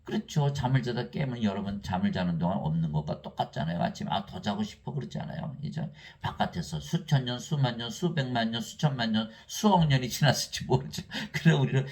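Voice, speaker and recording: A male pastor preaching a sermon, posing rhetorical questions, affirming with a steady "yes," and chuckling between points. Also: medium pitch, a little fast, hardly any pauses.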